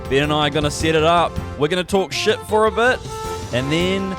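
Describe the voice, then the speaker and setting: Higher-pitched New Zealand man, joking podcast banter. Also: a little fast, over music. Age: 30s. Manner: sweary, joking, laid-back. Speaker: podcast host. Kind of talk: casual banter and storytelling.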